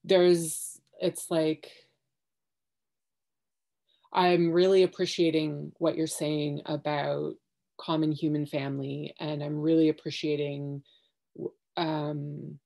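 A woman in her thirties sharing her thoughts on a video call from home, halting and searching for words, with many fillers and restarts. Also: sits low, little pitch movement, vocal fry, warm tone. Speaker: workshop participant. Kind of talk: hesitant reflective sharing. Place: home living room.

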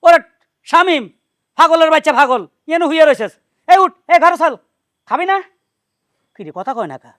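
An actor playing a simple-minded village husband who wails loudly over his dead friend. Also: very high voice, animated, moderate pace, pauses often, no room sound. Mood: grieving. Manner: loud lamenting wails. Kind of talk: village comedy drama acting.

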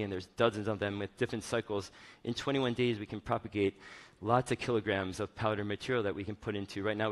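A middle-aged man giving an informal, personal conference talk on stage in a conversational, rambling way. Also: on the low side. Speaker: chief medical officer giving a keynote.

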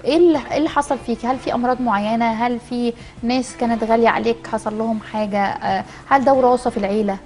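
A woman's voice: a little high, racing, darkish tone. A woman in her thirties with an Egyptian Arabic accent, hosting a studio interview, interjecting and echoing her guests. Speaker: TV host. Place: TV studio, seated.

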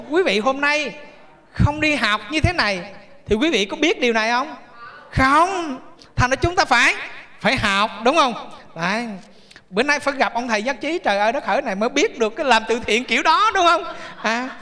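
A man tells stories in a sermon, in a bright, forceful voice. He jokes and keeps asking his listeners questions. His voice rings with a long reverb through a large temple hall. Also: extremely high pitch. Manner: chatty, joking, asks the audience questions. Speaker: Buddhist monk giving a dharma talk. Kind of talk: storytelling sermon.

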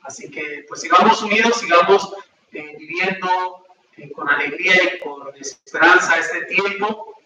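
A young male priest reads the closing prayers of mass and chats through parish notices, stopping often for fillers. His voice is very bright and a little high. It echoes heavily around a small chapel, picked up from across the room. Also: a little slow. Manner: informal, many fillers between the prayers. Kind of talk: celebrating mass and giving announcements. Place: small chapel with altar, indoors. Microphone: far camera. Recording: echoey room from far off, faint noise.

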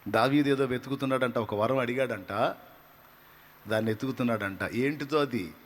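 A man preaching a sermon, fervent and emphatic, often rising to loud high bursts and sometimes dropping to a soft prayerful tone. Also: normal speed. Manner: drops to soft, intimate prayerful tone.

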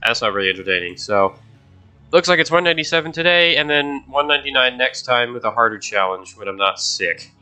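Stuffed up and nasal from a cold, this young man hosts a gaming video, chatting with viewers as he plays. His medium-pitched voice is lively, a little fast, and sharp yet clean, and his talk is casual and easily sidetracked.

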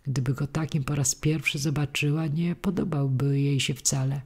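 A woman narrating a classic novel as an audiobook in a measured, literary manner, with a husky voice. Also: low voice, fairly even intonation, a little mellow.

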